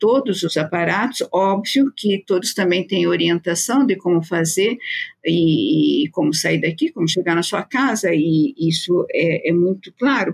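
Using a normal speaking voice, a woman talks at medium pitch and a fairly slow pace. Her intonation is lively, and the sound is dry and close with no echo. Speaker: nursing director. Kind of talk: casual chat.

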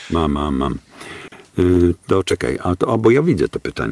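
The sound is dry and close with no echo. A man speaks at a moderate pace with lively intonation. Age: 50s. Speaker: voice-over narrator. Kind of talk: casual chat.

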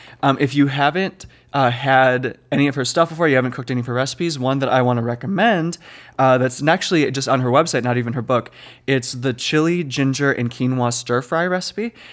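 Using an ordinary speaking voice, a man talks at a fairly quick pace with medium pitch and ordinary pitch variation. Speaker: podcast co-host, cook. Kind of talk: casual chat, podcast interview.

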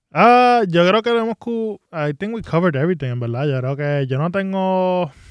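A man speaks at a moderate pace in a high voice with lively intonation against a quiet background. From Puerto Rico, Cabo Rojo (west). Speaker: podcast co-host. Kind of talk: casual chat.

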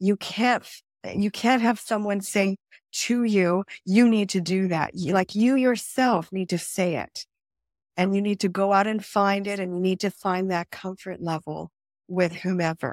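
In an ordinary speaking voice at medium pitch, a woman talks at a fairly slow pace with fairly even intonation, and the recording is dry and close with no echo, very clean, with a silent background. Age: 50s. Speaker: business association CEO. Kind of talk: interview.

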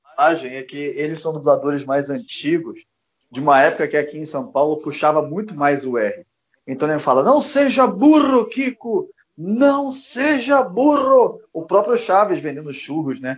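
A man speaks at a moderate pace in a high voice. His pitch swings very widely. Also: big swings in loudness. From Rio de Janeiro, Brazil. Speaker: pop culture podcast panelist. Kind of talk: casual chat.

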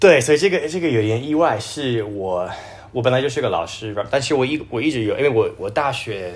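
Lively intonation from a man at a medium pitch, fairly quick in pace. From US, Seattle. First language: English (speaking Chinese). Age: 20s. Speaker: talent show contestant and English teacher. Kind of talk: podcast interview. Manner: hesitant, many fillers.

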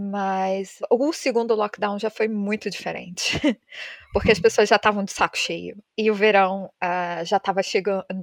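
Against a quiet background, a woman of medium pitch speaks at a moderate pace, the sound dry and close with no echo. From Brazil. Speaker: Brazilian expat interviewee. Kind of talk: casual interview. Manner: halting, many fillers.

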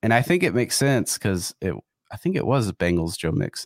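A man with an ordinary speaking voice, fairly low in pitch, lively intonation at a moderate pace, dry, close sound with no echo on a very clean recording with a silent background. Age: 20s. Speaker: podcast host. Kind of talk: casual sports talk.

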